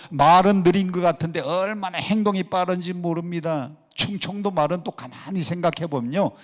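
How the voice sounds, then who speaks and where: A male pastor preaching a sermon, asking the congregation questions and answering them himself, mimicking regional dialect, rising to loud emphatic exclamations. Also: on the high side. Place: prayer retreat worship hall. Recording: long hall reverb.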